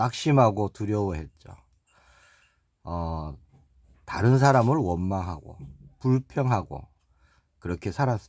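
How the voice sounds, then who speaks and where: A man's fairly low voice with lively intonation, a very slow pace and long, frequent pauses, on a very clean recording with a silent background. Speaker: pastor. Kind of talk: sermon.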